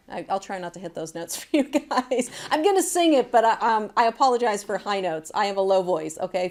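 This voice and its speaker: A woman giving a casual, chatty guitar lesson, talking informally and directly to viewers as their teacher. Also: mid-range voice. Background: acoustic guitar.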